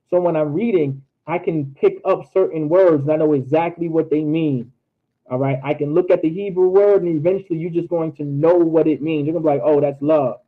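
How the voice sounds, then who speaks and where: A man teaching a grammar lesson to his class, patiently drilling word forms one by one and reminding students to take notes. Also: fairly high pitch. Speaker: language teacher. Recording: tinny phone-like audio.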